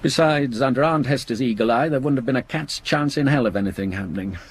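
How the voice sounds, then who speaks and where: An actor playing an exasperated, dismissive husband in a radio horror play, irritable and sardonic. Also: male voice, mid-range voice, fast, close to an everyday voice. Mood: weary, defensive. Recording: noisy 1980s radio drama recording.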